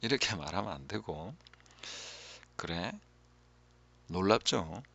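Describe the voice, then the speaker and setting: A man, a pastor, giving a calm, reflective Bible teaching talk that often drops to a hushed voice. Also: sits low, slow pace, creaky, slightly rough, lo-fi sound.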